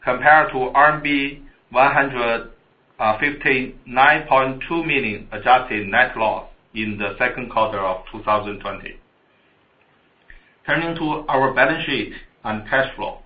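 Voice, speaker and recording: A man formally reading a scripted financial report as a company finance chief, halting over the figures. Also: medium pitch. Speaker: chief financial officer on an earnings call. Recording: dull, echoey conference call audio.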